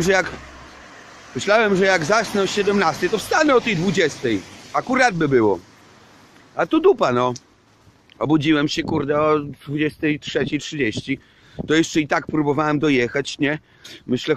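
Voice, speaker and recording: A man's voice: a little high, a bit bright, slight background noise. A man rambling in a casual vlog monologue while walking outdoors at night. He hedges a lot and swears casually. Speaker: vlogger. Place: outdoors at night under a street lamp.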